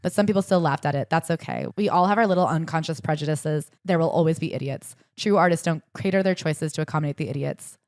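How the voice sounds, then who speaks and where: A young woman co-hosting a podcast, summarizing a book and reading passages aloud in a brisk, chatty way. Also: low voice, a little mellow, no echo, studio quality. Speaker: podcast co-host. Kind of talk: casual book-club chat with read-aloud passages.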